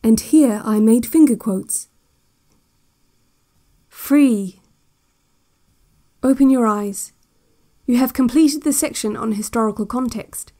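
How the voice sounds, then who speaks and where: A woman playing a calm, controlling institute narrator on a relaxation cassette, speaking in a measured and quietly menacing way. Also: on the high side. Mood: calm, pointed. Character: soft-spoken, controlling female institute narrator on a relaxation tape. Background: music.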